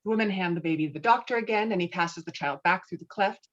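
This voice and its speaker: A woman's voice: on the low side, fast. A woman reading scripted stage directions as narrator at a table read, slightly muffled as on a video call.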